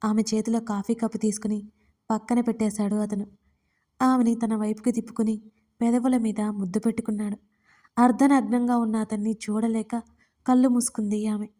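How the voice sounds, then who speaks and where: A woman reads a romantic audio story aloud in scripted narration. Her voice is fairly high yet mellow and soft in tone. The delivery stays steady and even. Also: normal speed.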